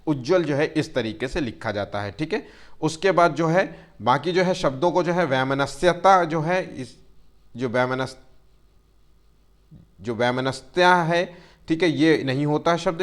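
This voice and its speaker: Male grammar tutor, fairly high voice, habitual fillers, stretches words slowly to spell them out, keeps reminding students to take care. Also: lively intonation. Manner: tells students to take care and keeps checking "theek hai". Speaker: teacher. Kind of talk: exam-prep Hindi grammar lesson.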